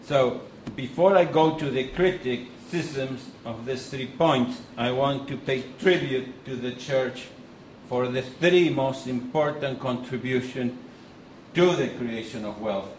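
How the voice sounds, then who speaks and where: A middle-aged man from Argentina with an Argentine Spanish accent, giving a conference lecture in a measured way with pauses and restarts. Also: mid-range voice. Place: conference hall. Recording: echoey hall with faint noise.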